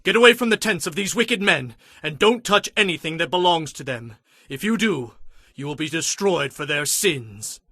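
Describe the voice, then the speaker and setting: Moses, bright, forceful high-voiced prophet. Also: male voice, expressive, moderate pace, no room sound, studio quality. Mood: urgent. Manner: emphatic, commanding, declamatory. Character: Moses, stern, indignant Hebrew prophet and leader. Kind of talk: dramatized scripture acting.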